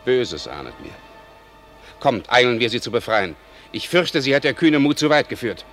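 An actor playing a grave, loyal noble commander in a classic radio drama, speaking in solemn declamation. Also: male voice, mid-range voice, very animated, normal speed, fairly bright tone, faint music behind. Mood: worried, urgent. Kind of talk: classic German stage-style radio drama acting.

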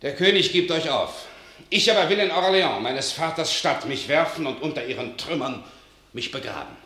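A man's voice: a little high, animated, moderate pace, pushed and bright, roomy sound. An actor playing a proud, hot-tempered nobleman in a classical verse radio drama, declaiming with indignant emphasis. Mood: indignant, defiant. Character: proud, hot-tempered nobleman and warrior defying his king.

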